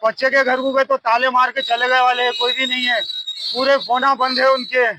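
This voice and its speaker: An older man, pleading and halting as he speaks in a street interview. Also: very high-pitched, level tone, background noise. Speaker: victim's father.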